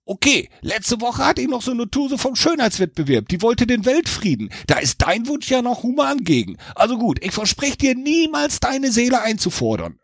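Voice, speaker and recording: Cheeky slang-talking devil, high and bouncy, close dry mic, played by a man. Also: wildly swooping pitch, moderate pace, few pauses, dry recording, heavily acted. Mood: mocking. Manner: streetwise slang, teasing.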